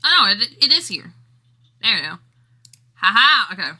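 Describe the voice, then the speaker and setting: With a mid-range, sing-song voice, a moderate pace and a sharp tone, a woman livestreamer and game developer chats casually with her viewers in a rambling, exclamatory way.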